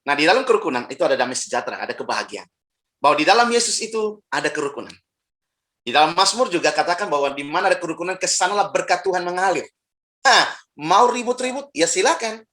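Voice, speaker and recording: Animated man preaching a storytelling sermon. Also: on the high side, rapid-fire. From Timor-Leste. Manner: animated, acts out quoted voices, laughs often. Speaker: pastor.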